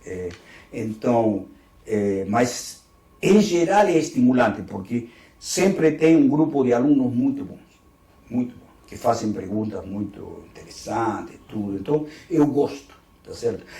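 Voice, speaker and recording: With audible room echo, a man of medium pitch speaks at a fairly slow pace with long, frequent pauses, very wide pitch swings and big swings in loudness. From Argentina, Greater Buenos Aires. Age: 70s. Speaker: retired professor. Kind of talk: oral history interview. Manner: hesitant, many fillers.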